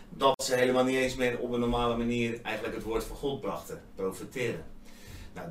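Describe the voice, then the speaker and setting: A man co-hosting a faith podcast, earnestly explaining scripture in a casual way and getting animated when he quotes. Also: medium pitch. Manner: earnest, animated when quoting, speaks in tongues at times. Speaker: podcast co-host. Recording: roomy echo, distant from mic, faint noise.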